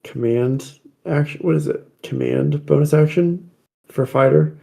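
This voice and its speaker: Wry male player, mellow and gravelly. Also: on the high side, measured pace. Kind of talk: casual table chat.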